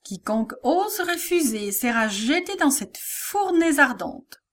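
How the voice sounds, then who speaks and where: A woman voicing a male royal herald who loudly proclaims an order in a storybook reading. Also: high-pitched, sing-song, takes it slowly, voice pushed up, full character voice. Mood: proclaiming. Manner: loud and declaiming.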